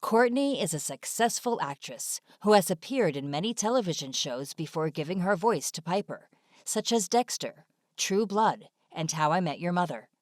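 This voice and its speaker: A woman's voice: fairly low pitch, lively intonation, moderate pace, no echo. A woman reading scripted informational narration as a studio-style voice-over. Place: dry studio-like voice-over recording.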